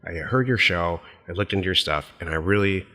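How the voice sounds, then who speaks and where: A man's voice: low-pitched, fairly quick, sharp tone, long reverb tail. A middle-aged American man co-hosting a podcast, chatting casually about business in a blunt, plain-spoken way. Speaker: podcast co-host.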